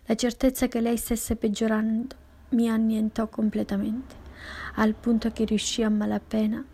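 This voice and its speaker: A young woman reading a first-person story aloud in a hushed, intense whisper. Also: fairly high pitch, flat delivery, moderate pace, husky. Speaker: narrator.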